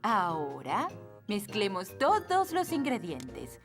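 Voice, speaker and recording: A woman voicing a bossy fairy nanny in a children's cartoon dub, with a Latin American Spanish accent and theatrical, drawn-out delivery. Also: mid-range voice, huge pitch swings, over music. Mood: brisk, instructing. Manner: theatrical, drawn-out incantations and instructions. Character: bossy fairy nanny who casts magic spells.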